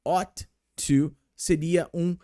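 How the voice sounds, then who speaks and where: Brazilian male English teacher, casual and enthusiastic online lesson, slightly high, warm, dry recording. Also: steady tone, drawn-out words, no room sound. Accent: Brazilian Portuguese. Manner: chatty and enthusiastic, talks to viewers directly.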